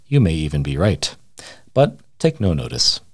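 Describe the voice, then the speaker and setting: A man reading a humorous essay aloud with a wry, deadpan, mock-serious delivery. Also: extremely low pitch, moderate pace, husky, dry recording, studio quality. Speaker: radio essayist.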